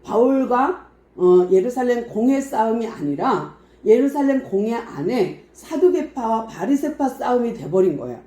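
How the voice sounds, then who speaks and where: A woman pastor retelling a Bible story in an animated, sermon-like way, acting out the characters' lines. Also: fairly high pitch, moderate pace. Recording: echoey room.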